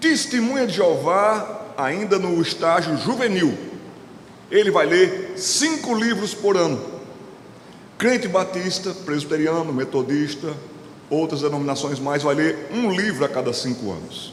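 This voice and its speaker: Amid noticeable background noise and audible room echo, a high-pitched man talks at a fairly slow pace with lively intonation. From Pernambuco, Brazil. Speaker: children's ministry conference speaker. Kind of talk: conference talk to church audience. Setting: stage with audience. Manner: animated.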